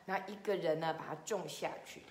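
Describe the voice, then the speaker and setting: A woman's voice: deep voice, fairly even intonation, a little fast, slight background noise, voice pushed down, close to an everyday voice. Woman doing a polite friendly turtle man. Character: friendly kindly male turtle gardener. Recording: echoey room.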